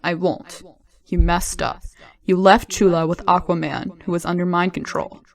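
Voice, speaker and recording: A woman playing a blunt, calm dark sorceress who consoles firmly, in a low, creaky voice, in an amateur audio drama. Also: normal speed, close to an everyday voice. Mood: blunt, consoling.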